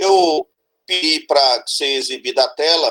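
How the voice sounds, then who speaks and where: A man is heard in a dry, close sound with no echo. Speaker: pastor. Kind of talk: sermon. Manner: loud.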